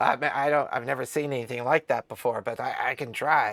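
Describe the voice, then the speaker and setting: A raspy, put-on character voice at low-to-middle pitch moves at a fairly quick pace. The recording is very clean, with a silent background. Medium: actual play. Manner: hesitant, stammering.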